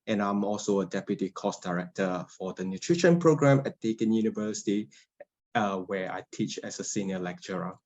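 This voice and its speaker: Lower-voiced guy from malaysia walking through his slides, polite and steady, muffled call audio. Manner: polite, measured, presents from slides. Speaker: guest lecturer. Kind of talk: presentation over a webinar. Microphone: video call. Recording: dull lo-fi video call audio.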